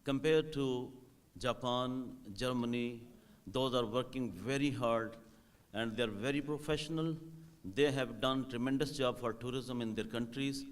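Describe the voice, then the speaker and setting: A man with a Pakistani accent, a native Urdu speaker, giving a public presentation as a tourism coordinator in halting, emphatic phrases. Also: medium pitch, steady tone, smooth. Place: hotel event hall.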